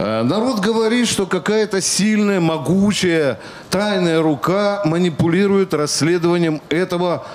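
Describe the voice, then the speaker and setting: Over light background noise, a man with a high voice speaks at a fairly slow pace with ordinary pitch variation. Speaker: politician. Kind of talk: question to the president. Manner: formal. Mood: pointed, mildly ironic. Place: studio. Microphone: handheld.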